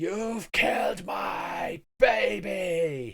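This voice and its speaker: A put-on character voice, shrill and raspy, pitched in the middle range. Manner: shrieking.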